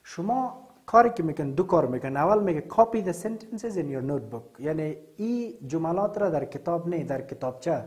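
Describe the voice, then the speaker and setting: A woman with an Afghan accent teaching an English vocabulary lesson, saying the English words slowly and clearly, then explaining them more quickly in Dari. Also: low-pitched, lively intonation, a little mellow. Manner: switches between slow, drawn-out English and quick Dari explanation.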